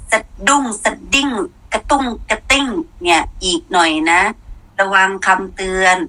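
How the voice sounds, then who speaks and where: A woman's voice: fairly low pitch, pushed and bright, low-quality recording. A woman in a mocking rant, sarcastic, crude and insulting.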